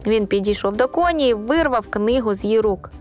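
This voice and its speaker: A woman narrating a children's story on a radio program, expressive and acting out each character's lines. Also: a little high, a little fast, soft background music.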